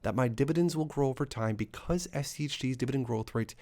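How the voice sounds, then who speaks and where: A man in his thirties runs an investing channel and speaks solo to camera, racing through numbers. His mid-range voice has a darkish tone, and his brisk, upbeat delivery runs on with lots of lists and asides.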